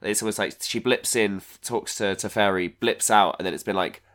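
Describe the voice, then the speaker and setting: A man with a fairly low voice talks through a story on a casual podcast. He rambles and restarts his sentences, thinking aloud as he goes, with the odd swear word. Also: moderate pace, a bit bright. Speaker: podcast co-host. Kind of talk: casual chat.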